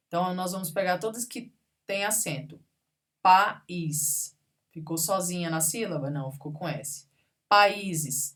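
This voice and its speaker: A woman with a lowish voice gives a grammar lesson at an unhurried pace. She reads out each example word, labels it, and keeps asking whether the class is with her. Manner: patient, spells out examples word by word with frequent check-ins. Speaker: teacher.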